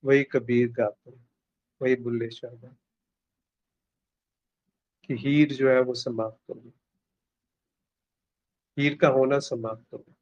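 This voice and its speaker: Male spiritual teacher, unhurried reflective delivery, dry close sound. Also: mid-range voice, fairly even intonation, dry recording, dull audio. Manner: slow, contemplative, with pauses. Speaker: spiritual teacher leading satsang.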